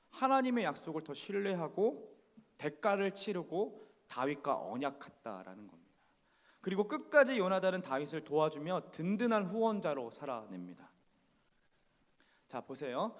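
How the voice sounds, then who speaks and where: A male pastor preaching a sermon in a church, speaking conversationally and often putting questions to the congregation. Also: high voice. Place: church sanctuary. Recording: church hall reverb.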